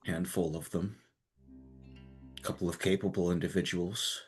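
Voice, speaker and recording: A man's voice: sits low, steady tone, normal speed, soft background music, lightly acted. A man playing a courteous, inquisitive adventurer in a tabletop game. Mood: probing.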